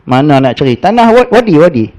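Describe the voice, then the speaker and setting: A middle-aged man with a Malaysian Malay accent leads a relaxed religious class. His voice sits a little high for a man. He tells stories in a folksy, chatty way and breaks into Arabic recitation. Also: fairly quick. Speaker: religious teacher.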